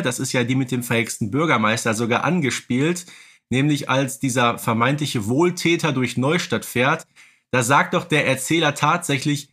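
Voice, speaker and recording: A man's voice: mid-range voice, a bit bright, slightly rough. A man co-hosting a podcast, talking casually in a humorous, tongue-in-cheek way. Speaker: podcast co-host.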